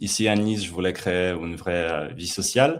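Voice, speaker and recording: A man's fairly low voice with a Polish accent, at a fairly slow pace with ordinary pitch variation. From Poland. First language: Polish (speaking French). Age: 30s. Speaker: language learner. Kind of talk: interview. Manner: hesitant, many fillers.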